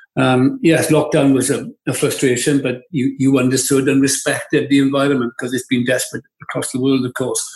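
A man with a fairly high pitch talks at a fairly quick pace in a flat monotone, with hardly any pauses. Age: 60s. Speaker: former rugby player and business director. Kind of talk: casual interview conversation. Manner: relaxed, chatty, laughs often.

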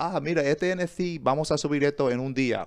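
The intonation is lively as a man speaks. His pace is fairly slow. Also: very clean recording, silent background. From New York (Bronx), Puerto Rican family. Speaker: lawyer in crypto and NFTs. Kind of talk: casual interview. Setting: studio at a school. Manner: code-switching Spanglish.

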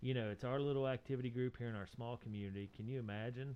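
Speaking very fast with an American accent, a man uses a medium pitch and ordinary pitch variation. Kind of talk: casual chat, podcast. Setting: studio.

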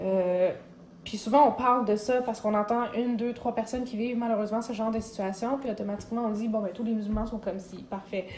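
Very fast and somewhat breathy, a woman talks at fairly high pitch with fairly even intonation. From Quebec, Montreal. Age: 30s. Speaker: guest sharing personal story. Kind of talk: casual chat.

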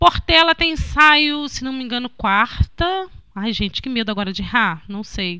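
A woman with a high-pitched voice projects loudly in a bright, sharp tone, her pitch swinging very widely. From Rio de Janeiro suburbs. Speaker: podcast co-host. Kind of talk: casual chat.

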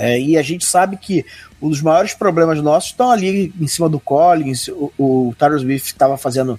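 A man at a moderate pace. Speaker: sports podcast host. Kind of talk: casual chat. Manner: animated.

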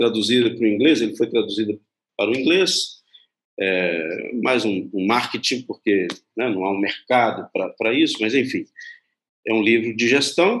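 Long, frequent pauses interrupt speech that otherwise holds a moderate pace. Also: man. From Minas Gerais, Brazil (interior). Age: 50s. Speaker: orthopedic surgeon and speaker. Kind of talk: interview conversation.

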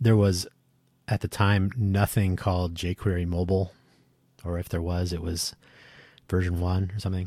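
Pausing long and often, a man with an American accent speaks at a very deep, low pitch and a moderate pace, somewhat breathy and monotone. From New Jersey. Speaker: podcast host, software developer. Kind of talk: solo monologue podcast. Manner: rambling with many fillers.

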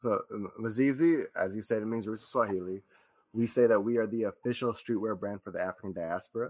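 Using an ordinary speaking voice at a medium pitch, a man talks at a fairly quick pace in a dry, close sound with no echo. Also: ordinary pitch variation. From Ohio and Texas (US), Ghanaian heritage. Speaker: fashion brand founder. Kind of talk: podcast interview.

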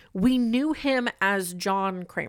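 A woman speaks with ordinary pitch variation on a very clean recording with a silent background, the sound dry and close with no echo. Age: 20s. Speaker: podcast co-host. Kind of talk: casual chat; reading plot summary.

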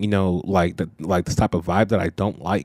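Here a man talks with a very deep, low voice and ordinary pitch variation. The recording is very clean, with a silent background. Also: dry, close sound with no echo. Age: 20s. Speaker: podcaster. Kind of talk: casual monologue. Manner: halting, many fillers.

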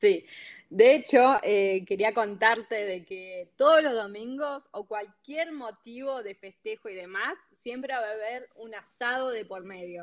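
A woman with a Rioplatense accent speaks at a fairly slow pace with ordinary pitch variation and big swings in loudness. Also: fairly high pitch for a woman. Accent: Argentine Rioplatense Spanish. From Argentina, Santa Fe province. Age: 20s. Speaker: politics advocate. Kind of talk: interview conversation.

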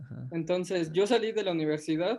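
A high-pitched male voice, ordinary in pitch variation, moving at a moderate pace. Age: 20s. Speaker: UX/UI designer and rapper. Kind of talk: interview.

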